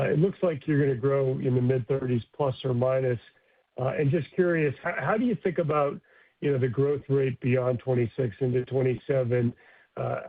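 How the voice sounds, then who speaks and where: A man's voice: medium pitch, no echo. A man asking questions as an analyst on an earnings call, polite and hesitant in his phrasing. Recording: dry, narrow phone line.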